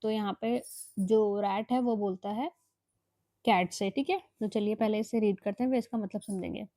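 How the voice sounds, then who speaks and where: A woman's voice: mid-range voice, steady tone, moderate pace, mellow, no echo. A woman teaching children a workbook lesson, explaining each step patiently and often checking with okay, with an Indian English accent.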